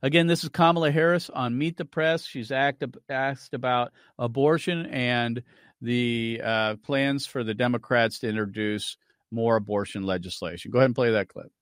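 A man's voice: mid-range voice, moderate pace, clean tone, no echo, clean studio sound. A man hosting a radio talk show, giving opinionated, argumentative commentary and cueing clips to play.

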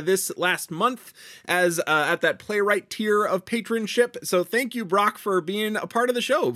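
Male co-host, fairly high voice, slight gravel, halting delivery, dry mic. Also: fairly bright tone, dry recording. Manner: halting, many fillers and restarts, riffing. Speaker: podcast co-host. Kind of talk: casual podcast chat and patron thanks.

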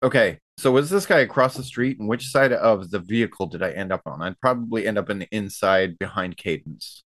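A man playing a tabletop roleplaying game, chatting casually in a loud, excitable manner. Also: on the low side, fairly quick, no echo. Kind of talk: casual in-character game chat.

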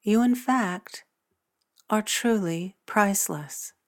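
A woman narrating a guided meditation in a soothing, measured manner with long pauses between phrases. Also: medium pitch. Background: new-age meditation music.

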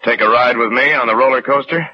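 Actor as terse 1930s beat cop, muffled noisy radio. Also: male voice, medium pitch, fast, close to an everyday voice. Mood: deadpan, cool. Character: stone-faced young man posing as cop, coldly vengeful. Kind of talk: old-time radio crime drama acting.

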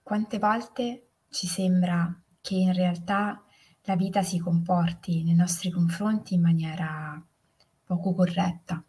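Slow, breathy woman, half-whispering. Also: on the low side, fairly even intonation. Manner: soft, often half-whispered. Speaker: podcast host. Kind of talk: guided reflection and storytelling.

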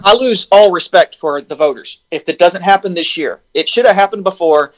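A man's voice: sits high, moderate pace. A man co-hosting a casual sports talk show, blunt and firing off dry one-liners. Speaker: co-host.

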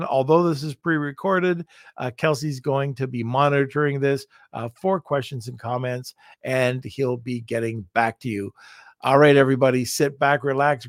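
A man hosting an interview show, relaxed and welcoming as he talks plainly with his guest. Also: mid-range voice, creaky, dry recording, clean studio sound. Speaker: podcast host.

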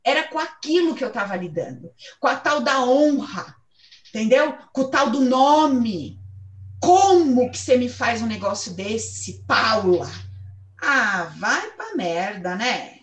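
A woman in her thirties with a Brazilian accent, giving a blunt, animated motivational talk and swearing freely. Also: a little high, slow pace, echoey room. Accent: Brazilian Portuguese. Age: 30s. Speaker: host and coach.

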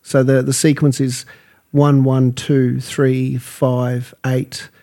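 A man's voice: medium pitch, flat delivery, slow, mellow. A man with a Queensland Australian accent in casual banter, blokey, joking and sweary.

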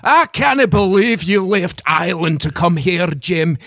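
A man playing a humble, excitable Scottish settler in an amateur comedy play, exclaiming theatrically and eagerly. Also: sits high, unhurried, no echo, studio quality, exaggerated voice. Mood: incredulous.

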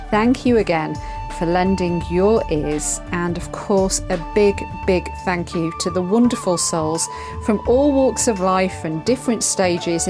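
A woman hosting a podcast, chatting with a guest and closing the episode, effusive and grateful in manner. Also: lowish voice. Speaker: podcast host. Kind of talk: casual interview and podcast outro.

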